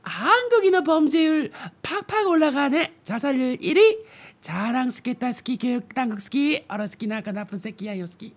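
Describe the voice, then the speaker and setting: A man's voice: very high voice, animated, moderate pace, pitched above the performer's own voice, full character voice. A man voicing a mock foreign correspondent who scolds and laments in fake foreign gibberish. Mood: scolding. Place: small room with fish tank, indoors.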